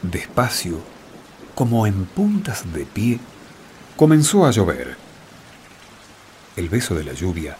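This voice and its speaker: A man reading poetic scripted narration in a solemn, dramatic, expressive way. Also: lowish voice, a little hiss or hum. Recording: loud music with rain and thunder. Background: loud music, rain, thunder.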